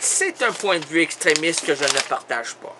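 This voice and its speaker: A man's voice: on the high side, expressive, normal speed, noisy background. A man with a Québécois accent doing a theatrical, absurd comic monologue full of wordplay. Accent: Québécois French. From Quebec. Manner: theatrical, wordplay-driven, exaggerated. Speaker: comic host.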